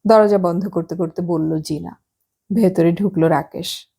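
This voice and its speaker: A woman narrating a novel as an audiobook, reading at an unhurried pace and lightly acting out the dialogue. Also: fairly low pitch, steady tone, vocal fry, mellow, breathy edge.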